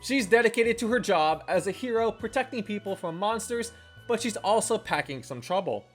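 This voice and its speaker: An animated reviewer narrates a scripted video with lively swings in pitch and a tongue-in-cheek tone. The voice sits at a medium pitch, with music playing faintly underneath. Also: normal speed. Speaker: video game reviewer, channel host. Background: faint background music.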